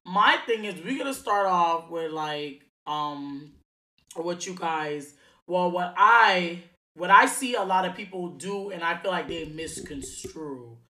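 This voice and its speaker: Bright-voiced chatty woman podcaster. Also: fairly low pitch, animated, slow pace. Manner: chatty and slangy, many fillers. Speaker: podcast host. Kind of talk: casual solo podcast monologue. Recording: echoey room.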